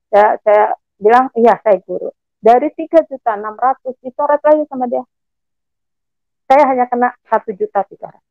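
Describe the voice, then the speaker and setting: A woman's voice: fairly high pitch, no room sound. A woman in her sixties giving a personal testimony as a guest, telling her story with animation and acting out the conversations she recalls. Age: 60s. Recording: dull lo-fi recording with faint music.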